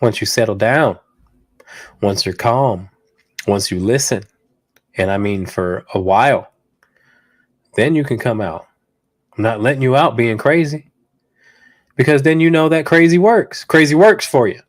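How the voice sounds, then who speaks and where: A man's voice: mid-range voice, measured pace, long pauses. Dog trainer guy doing a live q&a, blunt and slangy, stuffy nose from a cold. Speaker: dog trainer and show host. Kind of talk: live Q&A stream.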